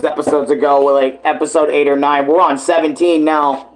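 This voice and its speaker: A man with a somewhat high-pitched voice reacts live on his stream. He talks casually in slang and swears freely, commenting as he goes. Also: flat delivery, normal speed. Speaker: livestreamer reacting to a comic dub series.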